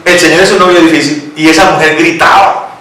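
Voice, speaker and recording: A man's voice: a little high, fairly quick, recorded from a distance. Preaching man in an echoey church hall. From Colombia. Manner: lively preaching with questions to the congregation. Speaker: pastor. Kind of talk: sermon.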